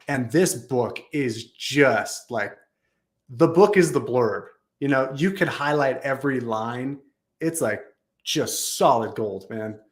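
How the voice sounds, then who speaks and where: A man speaking as a guest on a casual podcast, earnest and enthusiastic, with casual slang. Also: mid-range voice. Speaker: podcast guest, business leader.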